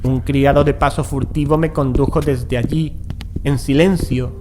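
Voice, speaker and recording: A man reading a gothic horror tale as an audiobook narrator, in a measured, deliberate manner with dramatic pauses. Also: medium pitch, steady tone. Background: music.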